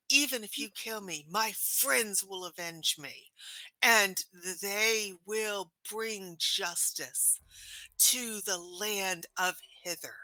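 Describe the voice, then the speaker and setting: A woman playing a righteous, defiant adventurer in a tabletop game, speaking slowly in a dramatic, declamatory way. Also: mid-range voice, bright, forceful tone, no room sound, low-quality recording. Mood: righteous defiance. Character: righteous, defiant female adventurer confronting a villain. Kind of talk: tabletop role-play.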